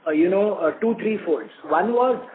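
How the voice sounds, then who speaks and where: Higher-voiced Indian man on a phone line. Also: lively intonation, normal speed. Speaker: company executive answering investor questions. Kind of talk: earnings call answers. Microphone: conference call phone line. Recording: narrow phone line with faint noise.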